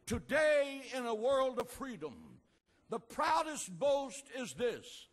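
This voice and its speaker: Slow, booming older preacher at a rally. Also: male voice, big pitch swings, big-room sound. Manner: slow, emphatic, repeated refrains, rising to shouts. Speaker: pastor giving a speech. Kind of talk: oratorical rally speech. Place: outdoor rally at an ancient port.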